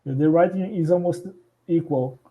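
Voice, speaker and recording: A man with a Brazilian accent, a native Portuguese speaker, giving halting answers as a casual interview guest. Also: fairly high pitch, mellow. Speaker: podcast guest, house builder. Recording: thin phone-like call audio.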